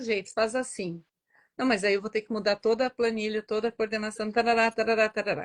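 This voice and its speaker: A woman's voice in a dry, close sound with no echo, on a very clean recording with a silent background. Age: 60s. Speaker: mentor and speaker. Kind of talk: casual chat.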